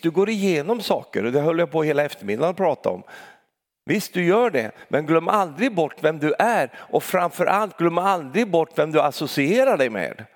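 Man preaching with lively questions. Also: a little high. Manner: lively, talks straight to the congregation with rhetorical questions and tag "va?". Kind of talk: sermon.

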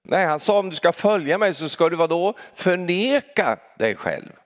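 Man preaching with lively questions. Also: a little high. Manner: lively, talks straight to the congregation with rhetorical questions and tag "va?". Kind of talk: sermon.

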